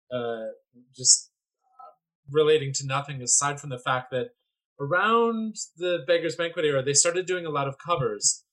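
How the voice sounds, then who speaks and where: A man's voice: a little high, fairly bright tone, rough recording. A man guest on a music podcast, rambling and searching for titles in casual chat.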